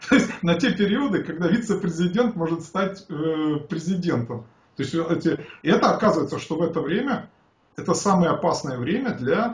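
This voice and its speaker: Audible room echo surrounds a man talking at a moderate pace in a high voice. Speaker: guest. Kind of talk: interview answer. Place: office. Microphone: video call.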